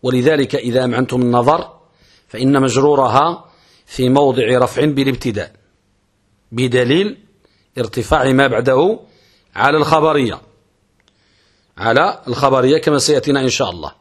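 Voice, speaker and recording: A man's voice: mid-range voice, husky. A man giving a grammar lesson, explaining step by step and putting questions to himself before answering them. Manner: chants verse slowly. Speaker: sheikh teaching Arabic grammar.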